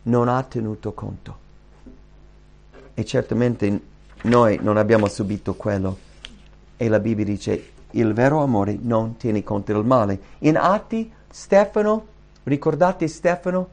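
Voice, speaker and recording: A man preaching a sermon and reading scripture aloud, swinging between loud, high emphatic bursts and quiet, low asides. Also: a little slow, creaky. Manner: reads scripture aloud to the congregation.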